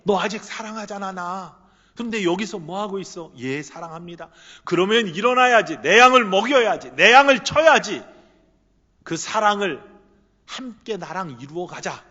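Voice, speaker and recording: A man preaching a sermon, voicing a risen teacher who gently and insistently urges his disciple to get up. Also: high-pitched, moderate pace. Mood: rousing. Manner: intimate pleading turning to rousing calls. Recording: echoey church hall, slightly muffled.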